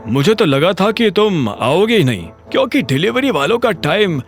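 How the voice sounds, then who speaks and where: A man's voice: sits high, sing-song, normal speed, soft background music. A man voicing a smug former classmate, taunting and sarcastic.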